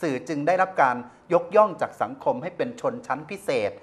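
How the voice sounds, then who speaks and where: Older male pundit, blunt and sarcastic, quick talker with animated pitch. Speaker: news commentator. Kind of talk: opinionated news talk.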